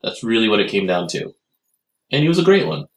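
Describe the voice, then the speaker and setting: A man's voice: on the low side, sing-song, a little fast, echoey room. A man co-hosting a podcast, talking casually and reflectively and trailing off into fillers. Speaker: podcast co-host. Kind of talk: casual chat.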